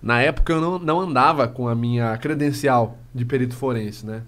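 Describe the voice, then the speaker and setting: Fast-talking man telling a story. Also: medium pitch. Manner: lively, acts out scenes and quotes. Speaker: podcast guest, private investigator. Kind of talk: animated podcast storytelling.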